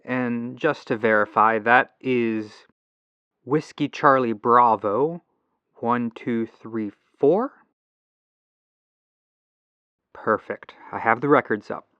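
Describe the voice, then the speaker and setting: A man's voice: medium pitch, slow pace, clear, resonant tone, dry recording. Man playing patient tech support agent, lo-fi phone. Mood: polite, businesslike. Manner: reassuring, methodical, helpful. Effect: telephone lo-fi filter. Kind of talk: ASMR roleplay phone call. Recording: dull lo-fi telephone sound.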